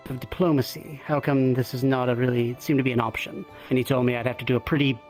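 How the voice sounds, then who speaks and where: A man's voice: mid-range voice, little pitch movement, fast, a little mellow, soft background music. A man improvising in-character fantasy roleplay conversation, speaking politely and thoughtfully with some hesitation. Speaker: roleplay player. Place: online virtual reality session.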